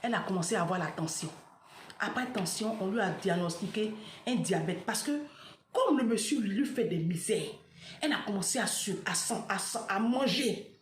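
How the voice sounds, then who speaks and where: A woman's voice: mid-range voice, animated, moderate pace, reverberant, slight background noise. A woman vlogger speaking straight to her followers, retelling a painful story with dramatic flair and acting out the dialogue.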